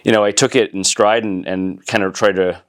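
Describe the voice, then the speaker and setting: Deep-voiced Canadian man, relaxed interview guest. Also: moderate pace. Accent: Canadian English. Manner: relaxed, thoughtful, many fillers and restarts. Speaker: guest entrepreneur. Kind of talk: casual interview conversation.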